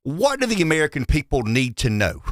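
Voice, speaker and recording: A man's voice: fairly high pitch, wildly swooping pitch, a little fast, no room sound. A man with a Southern US accent hosting a conversational interview in a folksy way, often repeating words as he builds a question. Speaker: show host, interviewer.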